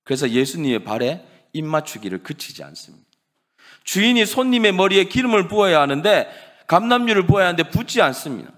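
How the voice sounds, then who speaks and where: A male pastor preaching a sermon, dramatic and swinging from loud emphasis to hushed words. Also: high-pitched, sing-song, brisk.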